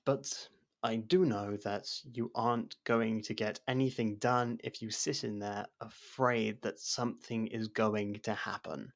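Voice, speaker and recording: A man acting a guarded, blunt convict who helps with an investigation, in a conversational ASMR roleplay with hesitant pauses. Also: lowish voice, steady tone, creaky. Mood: firm, frustrated. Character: jailed man helping an investigator, guarded, blunt, wryly supportive. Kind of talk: ASMR roleplay audio drama.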